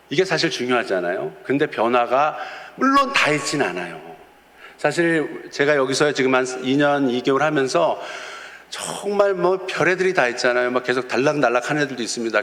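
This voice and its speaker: Chuckling pastor in a reverberant church. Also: male voice, on the high side, a bit bright. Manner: storytelling with acted quotes of kids. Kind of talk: sermon. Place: church sanctuary.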